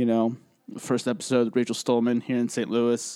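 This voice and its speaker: Speaking at a moderate pace with an American accent, the voice has a dark, mellow tone and a dry, close sound with no echo. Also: man. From US, suburbs. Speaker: podcast host. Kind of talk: casual interview chat. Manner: halting, many fillers.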